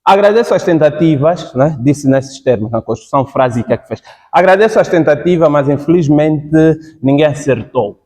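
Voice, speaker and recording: Brief: male speaking coach, slightly high voice, repeats key points, long hall reverb. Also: lively intonation, normal speed, few pauses, darkish tone. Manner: repeats points for emphasis, checks in with "ok?". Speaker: public speaking coach giving feedback. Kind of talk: spoken critique in a class.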